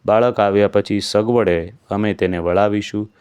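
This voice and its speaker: A man voicing a kind, motherly female cobra goddess in a devotional storybook, speaking gently and soothingly in a low, flat tone. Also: moderate pace, smooth, no room sound, natural voice. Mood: consoling.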